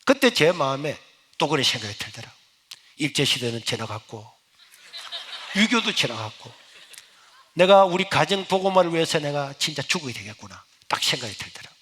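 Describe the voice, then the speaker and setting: A middle-aged male pastor with a Gyeongsang accent, telling a lively story in a sermon. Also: fairly high pitch, normal speed, pauses often, breathy edge. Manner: animated, storytelling. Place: church sanctuary. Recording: echoey church hall.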